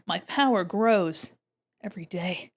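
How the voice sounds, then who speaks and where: A woman playing a mock-sinister villain woman who gloats slowly and quietly about her growing power. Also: on the low side, voice pushed down. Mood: gloating. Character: gloating would-be villain woman plotting world fame.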